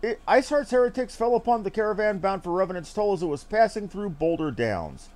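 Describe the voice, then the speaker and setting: Eloquent, wry game adventurer, voiced by a male streamer, theatrical archaic diction, highish pitch, very lively intonation. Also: fairly quick. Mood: grave. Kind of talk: reading game dialogue aloud in character.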